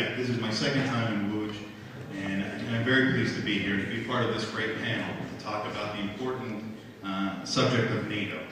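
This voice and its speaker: A middle-aged American man giving a formal public speech as a diplomat, with measured, deliberate phrasing. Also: fairly low pitch. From United States. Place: large lecture room, recorded from the audience. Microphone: handheld mic through room speakers, distant camera pickup. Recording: very echoey hall, distant mic, faint noise.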